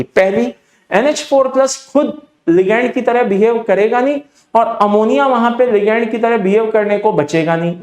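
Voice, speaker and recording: A man's voice: sits high, darkish tone, roomy sound. A man with an Indian accent teaching chemistry for exam preparation, explaining emphatically, repeating his points and checking in with students. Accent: Indian English. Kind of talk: exam-prep lecture.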